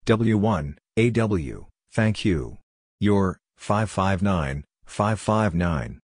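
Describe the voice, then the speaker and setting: A man with a very low voice reads amateur radio phrases slowly, one clipped chunk at a time. The recording is dry and close, with no room sound around him. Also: expressive, husky, dry recording. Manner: measured, clipped reading of radio jargon. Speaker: Morse code practice instructor.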